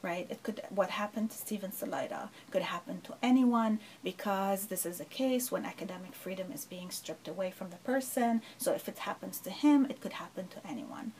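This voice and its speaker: A woman's voice: mid-range voice, normal speed, few pauses, a little mellow, slight background noise, poor audio. A middle-aged woman professor from Lebanon, answering interview questions thoughtfully with frequent fillers and rhetorical asides. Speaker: professor, guest.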